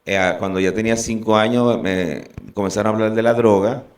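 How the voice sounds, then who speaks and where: A man from Venezuela giving an earnest, halting personal testimony as a guest. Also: on the low side, fairly even intonation, far from the mic.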